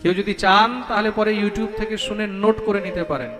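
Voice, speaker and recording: A man with a high voice preaches a devotional discourse. He keeps asking his listeners questions and chants verses slowly. The sound rings through a large hall, with instrumental music playing behind him. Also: steady tone. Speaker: Bhagwat preacher.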